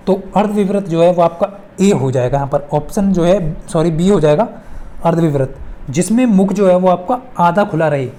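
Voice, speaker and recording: A woman's voice: on the low side, warm tone. A woman teaching an informal exam-prep lesson, working through questions step by step and repeating phrases for emphasis.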